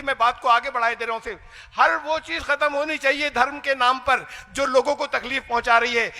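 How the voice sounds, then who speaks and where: Guy preaching, really high sharp voice, insistent, asks rhetorical questions, big echoey hall. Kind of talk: public lecture answering a question. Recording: lecture hall with long reverb.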